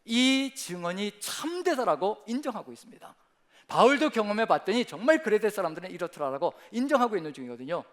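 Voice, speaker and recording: 빠르게 말하는 남성 목사의 설교. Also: male voice, high-pitched, very animated, rapid-fire, a bit bright. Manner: rhetorical questions, leads congregation in reading. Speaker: pastor. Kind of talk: sermon. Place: church sanctuary.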